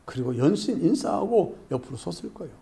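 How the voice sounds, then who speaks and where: A man's voice: on the high side, very animated, normal speed, gravelly, dark tone. A male pastor preaching a sermon, retelling a parable vividly and acting out its dialogue.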